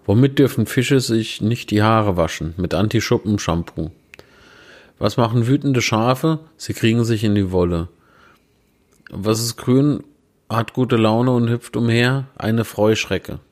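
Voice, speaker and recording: A man's voice: lowish voice, unhurried, darkish tone. A man reading out puns in a dry, plain way, with self-mocking asides, recorded indoors on a handheld recorder set on a small tabletop tripod. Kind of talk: casual joke reading.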